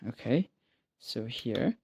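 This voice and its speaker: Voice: medium pitch, lively intonation, slow pace, gravelly, a little mellow, breathy edge. Someone from Myanmar with a Burmese accent talks casually through tidying up at home, hesitating and searching for English words. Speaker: vlogger practicing spoken English. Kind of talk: casual narration while tidying up. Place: indoors at home.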